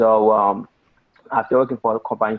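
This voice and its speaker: With a strong Haitian accent, a man speaks at a moderate pace in a fairly low, flat monotone. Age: 20s. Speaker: real estate wholesaler. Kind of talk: casual interview. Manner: halting.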